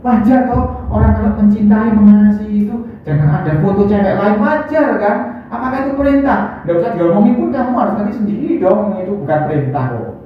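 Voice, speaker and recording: A preacher delivers a lively sermon, firing off rhetorical questions. The voice rings through a very echoey hall from a distance. The mic sounds dull and muffled, with faint ambience behind. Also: mid-range voice, brisk, a little hiss or hum. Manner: animated, rhetorical questions, acts out dialogue.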